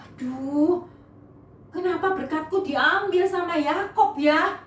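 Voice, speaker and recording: A woman voicing Esau, a grown son who wails and pleads in a high whine over his lost blessing. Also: wildly swooping pitch, normal speed, fairly bright tone, slight background noise, exaggerated voice. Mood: wailing. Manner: whiny, pleading, sobbing. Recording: echoey room, mic far off.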